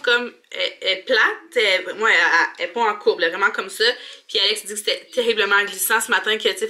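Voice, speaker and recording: A young woman with a Quebec accent and a very bright, forward voice talks in a colloquial, chatty way. She speaks informally to the camera, as in a home vlog filmed in a bathroom. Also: mid-range voice. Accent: Quebec French. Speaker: mom vlogger. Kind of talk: casual vlog chat to camera.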